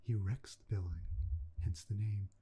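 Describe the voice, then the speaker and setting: A man playing an earnest, kindly video game repairman in a soft-spoken ASMR roleplay, gentle, folksy and unhurried, slipping toward a whisper, close to the microphone. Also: fairly low pitch, fairly even intonation, a little hiss or hum, natural voice. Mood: gentle, explaining.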